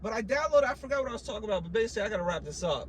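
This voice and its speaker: A man's voice carries audible room echo. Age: 20s. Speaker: vlogger. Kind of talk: casual vlog monologue. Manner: rambling, distracted.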